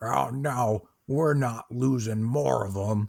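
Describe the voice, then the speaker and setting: A man's put-on character voice, gravelly and nasal, medium in pitch, at a very slow pace. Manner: dismayed, grumbling.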